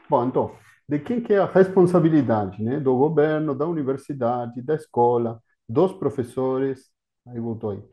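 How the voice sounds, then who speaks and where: A man's voice: mid-range voice, muffled recording. A man with an Argentine Spanish accent, a native Spanish speaker, giving an academic panel talk over a video call with many fillers and restarts. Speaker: university lecturer.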